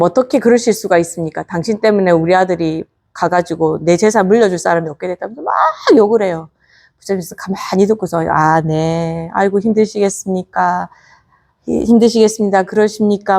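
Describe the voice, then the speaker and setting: Buddhist nun giving a friendly dharma talk. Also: female voice, mid-range voice, a little mellow. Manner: coaxing rhetorical questions to the audience. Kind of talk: conversational dharma lecture.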